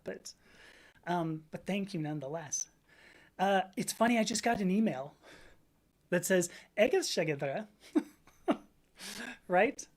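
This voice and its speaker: A woman in her fifties hosting a livestream, chatting casually in a rambling way, laughing often and reading out viewers' comments. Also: mid-range voice. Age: 50s. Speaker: livestream host.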